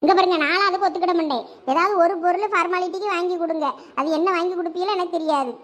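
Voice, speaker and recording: Cartoon sister-in-law played by a woman: short-tempered complainer, extremely high voice, rapid Thoothukudi Tamil delivery. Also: fairly bright tone. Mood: insistent. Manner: scolding, complaining. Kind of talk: dialect cartoon family comedy dialogue.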